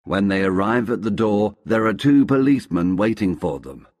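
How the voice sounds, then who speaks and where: A man narrating a storybook for English learners in a slow, clear, expressive way. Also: on the low side.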